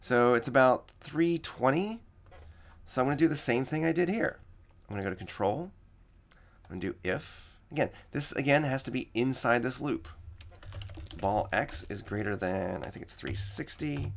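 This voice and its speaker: A man with a slightly raspy voice teaching coding in a screen-recorded tutorial, explaining each step and repeating the key points. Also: mid-range voice, lively intonation, normal speed.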